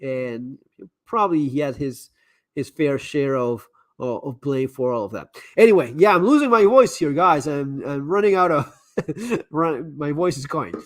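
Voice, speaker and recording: A man's voice: fairly high pitch, animated, a little slow, dry recording. A man hosting a live stream, chatting casually and giving candid advice, often repeating words as he restarts sentences. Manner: frequent stammered repeats and restarts. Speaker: live stream host answering viewer messages.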